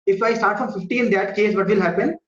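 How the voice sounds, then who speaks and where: A man's voice: high voice, fast talker, fairly bright tone. A man with a South Asian accent teaching an online school maths class, explaining step by step, repeating himself and checking that students understand. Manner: repetitive, checks understanding with short questions. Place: indoor room, online video class. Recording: muffled, echoey online class audio.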